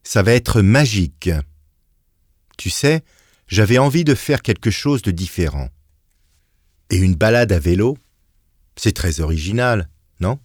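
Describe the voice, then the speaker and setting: A man's voice: fairly low pitch, unhurried, pauses often, dry recording, studio quality. An actor playing a young man who leaves an eager voicemail message for a friend, in a scripted exam recording. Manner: eager, lively, clearly paced scripted delivery. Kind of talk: scripted listening-exam dialogue.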